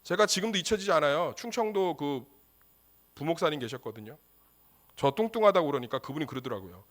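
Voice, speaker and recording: Brief: male pastor, emphatic humorous sermon, slightly high voice with a very lively pitch. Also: brisk. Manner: emphatic, humorous, rhetorical questions.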